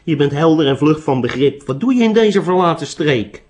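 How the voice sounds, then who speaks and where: A man voicing a gruff, blunt old hermit with a white beard who teases with sharp questions. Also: a little high, animated, moderate pace, pitched above the performer's own voice, close to an everyday voice.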